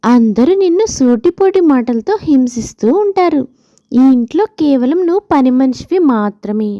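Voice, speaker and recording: A woman's voice: sits high, animated, moderate pace, dry recording, lo-fi sound. A woman voicing a bossy, scheming divorced friend in a story, insistent and goading as she gives advice. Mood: insistent warning.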